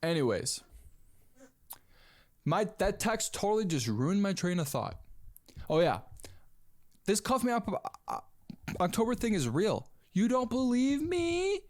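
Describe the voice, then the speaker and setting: A man's voice: high-pitched, measured pace, long pauses. A man in his twenties hosting a casual solo podcast, rambling and calling everyone "dude". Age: 20s. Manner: rambling, animated, says "dude" a lot. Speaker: podcast host.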